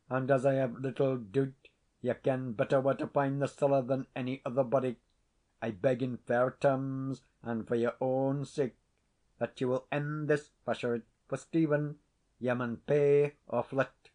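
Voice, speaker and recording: A man voicing a stern, cold Scottish laird who speaks in a measured, commanding way. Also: mid-range voice, flat delivery, dark tone, lightly acted.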